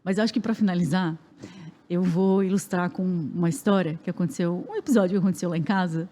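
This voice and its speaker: A woman hosting a podcast interview, telling a family story in a lively way with frequent laughter. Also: lowish voice, quick pace. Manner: animated, laughs often, speeds up when excited. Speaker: podcast host.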